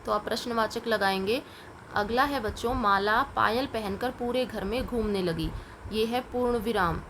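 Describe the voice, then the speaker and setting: A woman teacher going through a lesson with children, dictating answers slowly and patiently. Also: a little high, a little hiss or hum, low-quality recording. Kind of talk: online class lesson.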